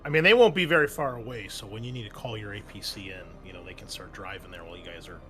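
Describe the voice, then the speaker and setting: A man's voice: lowish voice, fast, pushed and bright, faint music behind. A man running a tabletop game as game master, explaining the scene conversationally in a hesitant, piece-by-piece way. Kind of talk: improvised tabletop game narration and chat.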